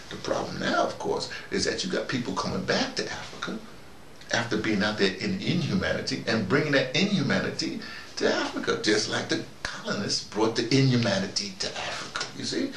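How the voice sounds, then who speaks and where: A man's voice: mid-range voice, big pitch swings, a little fast, fairly bright tone. An older man delivers a rambling, folksy, preachy monologue, repeating phrases for emphasis. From United States. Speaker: vlogger, audio dramatist. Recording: roomy, distant mic, faint background noise.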